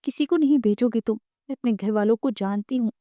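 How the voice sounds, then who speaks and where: Woman doing a desperate young woman, tearful and pleading, mellow voice, dry sound, audio novel. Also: a little high, steady tone, no echo, lightly acted.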